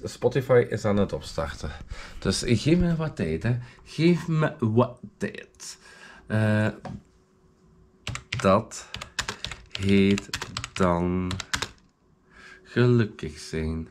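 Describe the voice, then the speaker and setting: A man chatting playfully in a home vlog at night while he has a cold, now and then breaking into snatches of song. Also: fairly low pitch. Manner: playful, sings snatches of songs. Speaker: vlogger. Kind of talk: casual vlog chat.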